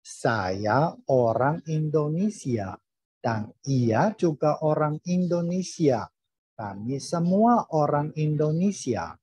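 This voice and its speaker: Guy language student repeating sentences super slow, careful and halting, husky voice, dull call audio. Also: on the high side, expressive, warm tone. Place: online video call. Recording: dull, roomy online call recording.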